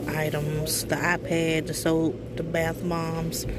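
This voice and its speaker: Loud background noise fills the clip. A woman speaks through it. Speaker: shopping vlogger. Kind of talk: casual vlog chat. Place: shop. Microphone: phone near.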